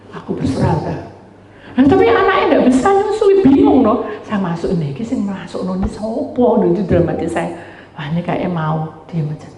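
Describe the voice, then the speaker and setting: A middle-aged woman pastor tells a story in her sermon, animatedly acting out dialogue and addressing the congregation as "saudara." Her medium-pitched voice sounds far off in a roomy hall, with slight background noise.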